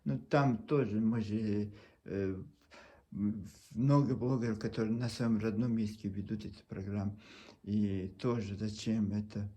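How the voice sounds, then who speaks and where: A man from Chechnya speaking Russian, which is not his first language, with a Chechen accent. He talks earnestly to his camera in a halting, pleading monologue and often restarts his words. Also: lowish voice, fairly even intonation, mellow. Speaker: video blogger.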